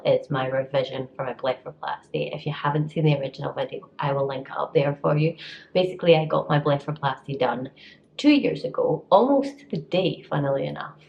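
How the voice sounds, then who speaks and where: Echoey low-voiced Scottish woman vlogging. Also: gravelly, a little mellow. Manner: informal, rambling, self-deprecating. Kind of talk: casual chat to camera. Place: echoey hotel bathroom. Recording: echoey tiled bathroom, slightly dull sound.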